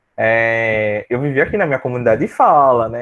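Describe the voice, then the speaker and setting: A man with a Recife accent, at a moderate pace. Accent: Recife, Northeast Brazilian, palatalized S. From Brazil, Recife (Pernambuco). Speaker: linguistics professor. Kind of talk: lecture.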